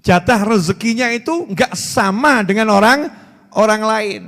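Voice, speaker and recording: A man in his forties with a Javanese accent, preaching an animated sermon and repeating words for emphasis. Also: high-pitched, unhurried. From Solo, Indonesia. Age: 40s. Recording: reverberant hall.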